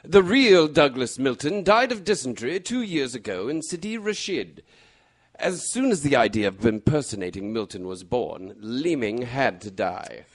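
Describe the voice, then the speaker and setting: An actor playing a shrewd, composed gentleman detective in a radio mystery, explaining precisely and deliberately. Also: medium pitch, sing-song. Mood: assured, explanatory. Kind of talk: old-time radio mystery acting.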